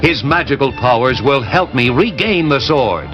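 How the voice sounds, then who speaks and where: A man's voice: mid-range voice, lively intonation, moderate pace, lightly acted. An actor playing a brave male hero who speaks in bold, earnest declarations. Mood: heroic. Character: brave heroic male warrior champion. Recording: muffled, with loud music.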